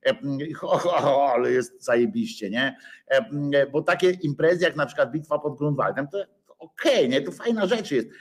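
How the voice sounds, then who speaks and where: A man's voice: on the high side, expressive, normal speed. A man hosting a rambling satirical monologue, sarcastic and profane, full of hesitations and filler sounds.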